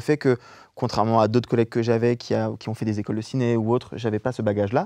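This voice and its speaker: Talking at a very fast pace, a man with a medium-pitched voice is heard in a dry, close sound with no echo against a quiet background. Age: 30s. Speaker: film journalist. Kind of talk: casual interview. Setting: small cinema. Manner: halting.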